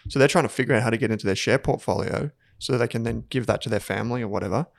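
Man, podcast co-host, relaxed chat, mid pitch, dry recording. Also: racing, creaky, no room sound. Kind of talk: casual finance podcast chat.

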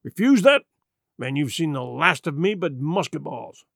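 Rough one-legged pirate boss, male reader acting, wrathful and wheedling, animated high voice, dry storybook recording. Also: normal speed, no room sound, full character voice. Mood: defiant threat. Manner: salty rustic sailor talk with oaths.

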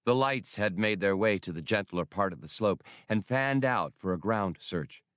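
A man reading scripted adventure fiction as an audiobook narrator, in a measured, dramatic storytelling manner. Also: fairly low pitch, animated, a bit bright, dry recording, studio quality.

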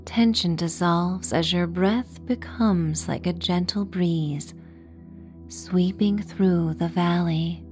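A woman narrating a sleep story and guided meditation softly and gently, with a breathy voice that drifts near a whisper. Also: on the low side. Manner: slow, gentle, measured. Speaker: podcast host and meditation guide.

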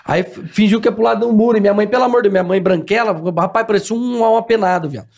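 Young man, high voice, quick animated storytelling. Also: vocal fry. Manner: rapid, animated storytelling, acts out quotes and shouts. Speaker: guest telling stories. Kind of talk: casual podcast chat.

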